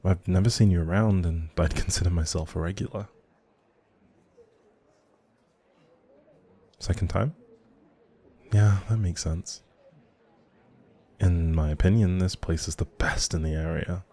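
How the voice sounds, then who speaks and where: A shy, socially anxious young man, acted by a male performer in an intimate audio roleplay. His voice sits very low and mellow, with plenty of gravelly fry. He rambles in a friendly, hesitant way, quick to apologize. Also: fairly even intonation.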